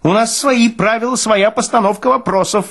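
Man playing pompous army medical official, high-pitched, bossy, indignant, fussy, audio-story character. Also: moderate pace, fairly bright tone. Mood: haughty, indignant. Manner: pompous, shrilly indignant, peremptory.

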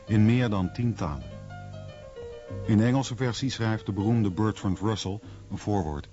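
A man with a fairly low voice reads scripted documentary narration. Faint music plays behind him and the sound is somewhat dull. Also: animated, moderate pace. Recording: muffled radio recording over music.

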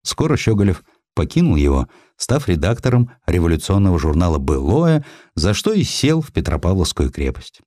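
A man reading historical essays as an audiobook narrator, in an expressive scripted storytelling style. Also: deep voice, brisk, hardly any pauses, no room sound, studio quality. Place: dry recording studio.

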